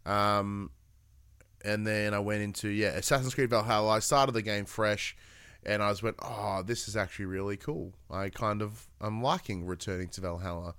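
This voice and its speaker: A man's voice: fairly low pitch, fairly even intonation, moderate pace, fairly bright tone, smooth, no room sound, clean studio sound. Upbeat rambling podcast co-host, man. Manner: rambling, upbeat, lots of fillers and restarts. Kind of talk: casual gaming podcast chat.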